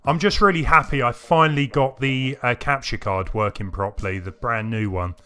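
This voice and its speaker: A man speaks at a middling pitch as he streams a video game. His talk is casual and loosely rambling, addressed to the viewers following along. Music plays faintly behind his voice. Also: normal speed, sharp tone, clean tone. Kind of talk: casual livestream chat to viewers. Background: music playing behind the voice.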